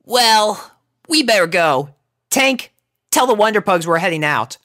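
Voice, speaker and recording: A blunt, casual tomboy pegasus mare from a cartoon tale, acted by a woman. The voice is lifted and animated, frank and impatient by temper, with an optimistic streak. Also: medium pitch, unhurried, voice pushed up. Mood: curt.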